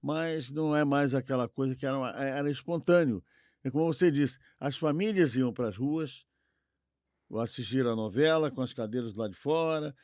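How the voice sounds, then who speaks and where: An older Brazilian man co-hosts a nostalgic, casual conversation. His medium-pitched voice is recorded dry, without room sound. He rambles and repeats phrases for emphasis. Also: normal speed, darkish tone, dry recording. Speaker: podcast co-host.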